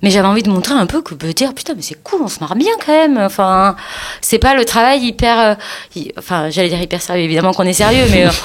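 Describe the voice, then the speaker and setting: A woman speaks at a very fast pace and medium pitch, with lively intonation. Noticeable background noise sits behind her. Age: 30s. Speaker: ICU nurse and cancer patient. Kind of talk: podcast interview. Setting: hospital room. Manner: casual, halting with fillers.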